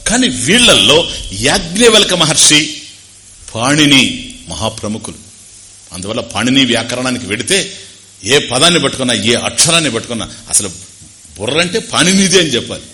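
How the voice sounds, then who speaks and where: A man with a Telugu accent giving a discourse on scripture, explaining Sanskrit terms slowly and repeating phrases. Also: mid-range voice, big pitch swings, sharp tone. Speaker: spiritual teacher.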